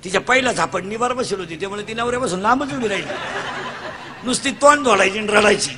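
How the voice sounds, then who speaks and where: A middle-aged man from Maharashtra delivering a comic devotional sermon. He tells stories fast, acts out the characters and shouts the punchlines. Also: sits high, background noise. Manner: rapid storytelling, acting out characters, shouting punchlines. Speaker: kirtan preacher.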